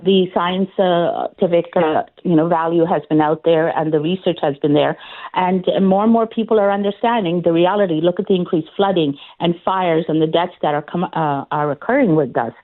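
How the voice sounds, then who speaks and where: A woman's voice: fairly low pitch, moderate pace. Woman, political candidate, earnest campaigning tone, frequent fillers and restarts, phone-line sound. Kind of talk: phone interview on talk radio.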